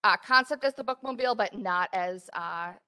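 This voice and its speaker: Smooth-voiced woman presenting to a board. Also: medium pitch, normal speed, pushed and bright. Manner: upbeat, with frequent fillers. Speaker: library director. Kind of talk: presenting a report. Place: meeting room. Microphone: desk mic in front.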